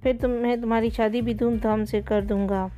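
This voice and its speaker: A woman's voice: a little high, level tone, mellow, faint music behind, lightly acted. A woman voicing a middle-aged male shoe trader who talks in a coaxing, fatherly way, in a storybook reading.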